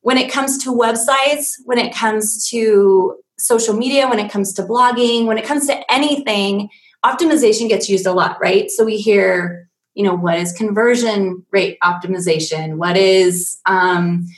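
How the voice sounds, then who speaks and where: A woman's voice: mid-range voice, fairly even intonation, unhurried, reverberant. A woman who runs a marketing agency, explaining in a chatty, enthusiastic way on a live stream. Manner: enthusiastic, chatty, nerdy about her subject. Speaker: digital marketing agency owner. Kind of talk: casual live-stream chat.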